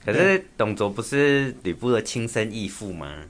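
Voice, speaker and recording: A man's voice: lowish voice, sing-song, moderate pace, fairly bright tone. A man, co-hosting a casual chat with laid-back jokes and frequent agreement. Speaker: podcast co-host. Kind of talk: casual chat retelling a classic novel.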